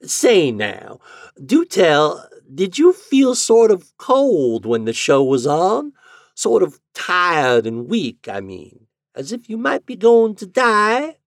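Guy doing a cool drawling old landlady, high and slow, very dry sound. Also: huge pitch swings, creaky, dry recording, full character voice.

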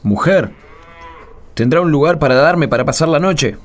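A man's voice: a little high, lively intonation, normal speed, lightly acted. A man playing an anxious, self-doubting young disciple in a radio play, speaking Spanish with an Argentine accent in a pleading, self-deprecating way. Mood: weary, humble. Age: young adult. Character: tall thin young disciple, self-doubting, evasive fugitive. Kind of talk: radio play dialogue acting.

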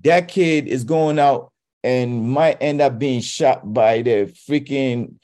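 A man's voice: mid-range voice, slow, mellow. A man hosting a radio talk show, giving impassioned commentary with stumbling restarts.

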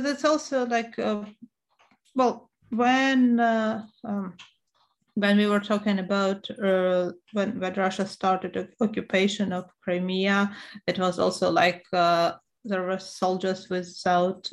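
A woman in her thirties with a Ukrainian accent, speaking at a slow, unhurried pace with a mid-range voice. She answers interview questions hesitantly and fills the gaps with many fillers. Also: medium pitch, flat delivery. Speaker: interview guest.

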